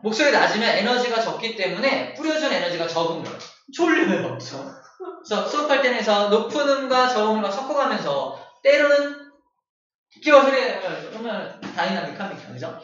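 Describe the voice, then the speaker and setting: A man teaching a classroom lesson, playful and animated, acting out voices as examples. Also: high-pitched, brisk. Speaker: middle school science teacher. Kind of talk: classroom lecture. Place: echoey classroom. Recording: dull, echoey from far off.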